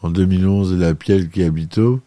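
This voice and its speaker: A man with a deep, very dark and mellow voice reads a film chronicle for his podcast. He often stumbles over words and restarts them. The recording is dry and close. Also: normal speed, no room sound. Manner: reads aloud with frequent stumbles and self-corrections. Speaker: podcast host.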